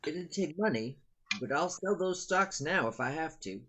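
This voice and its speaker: A woman's voice: deep voice, animated, normal speed, fairly bright tone, slight background noise. A woman playing a worried, middle-aged small-town father in a dramatic table read. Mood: grave.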